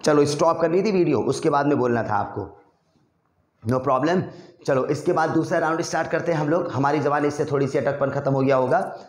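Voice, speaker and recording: A young man leads a casual spoken-English lesson in Hindi, drilling short phrases over and over. His voice sits a little high. The room around him rings with echo. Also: fairly quick. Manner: repeats drill phrases over and over, addresses viewers as bhai. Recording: echoey room.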